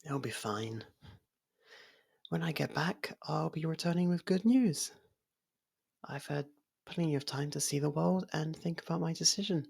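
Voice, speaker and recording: A performer voicing a gentle, lovestruck faerie in an intimate ASMR roleplay, breathy and half-whispered, speaking in a hesitant, halting way. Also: mid-range voice. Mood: wistful, hesitant. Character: soft-spoken, lovestruck young faerie royal, shy, possessive.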